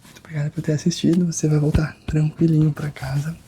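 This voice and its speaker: A Brazilian man in a soft-spoken ASMR roleplay as a chiropractor, reassuring and hushed, guiding the listener step by step and sometimes slipping into a whisper. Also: on the high side, flat delivery, fast talker. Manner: reassuring, talks the listener through each step. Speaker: ASMR creator playing a chiropractor. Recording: close binaural recording with background noise.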